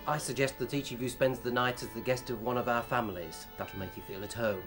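A man's voice: mid-range voice, steady tone, fast, over music, natural voice. A British man acting a suave, languid, aloof rabbit in a radio play, speaking formally and without hurry. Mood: welcoming.

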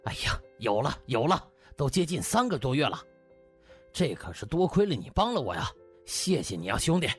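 A man's voice: mid-range voice, big pitch swings, normal speed, soft background music, close to an everyday voice. A man voicing a hearty, grateful middle-aged official who talks in an effusive, chummy way. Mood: happy, grateful.

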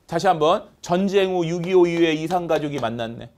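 Male teacher, lively lecture, fairly high pitch, very animated, chants vocabulary, studio. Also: fairly quick. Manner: chanting word lists, acting out skits.

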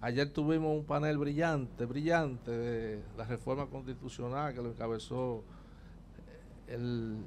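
A man's voice: mid-range voice, steady tone, unhurried, a little mellow, a little hiss or hum. A Dominican man in his sixties, a guest on an outdoor morning TV panel, talking proudly and emphatically into a handheld mic. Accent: Dominican Spanish. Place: outdoor street set with murals.

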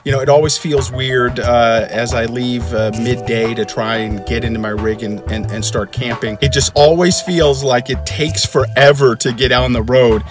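A man's voice: medium pitch, steady tone, normal speed, hardly any pauses. Middle-aged guy doing an rv travel vlog, upbeat and chatty, music playing underneath. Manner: chatty, upbeat, lots of fillers. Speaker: RV vlogger. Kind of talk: casual travel vlog with voice-over. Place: inside a car, then outdoors by an RV. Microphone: phone held at arm's length. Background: background music.

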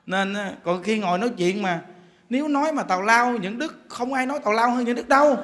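High-voiced Southern Vietnamese monk, joking. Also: male voice, lively intonation, a little fast, fairly bright tone. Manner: joking, chatty, repeats words while building a point. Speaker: Buddhist monk. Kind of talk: humorous storytelling sermon.

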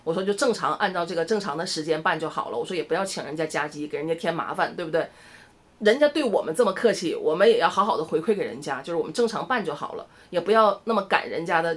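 Brief: middle-aged Northeastern Mandarin woman, rapid chatty vlogger, storytelling to camera. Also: deep voice. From Shenyang, northeast China. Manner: chatty, animated storytelling with lots of "哈" tags. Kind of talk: casual chat to camera.

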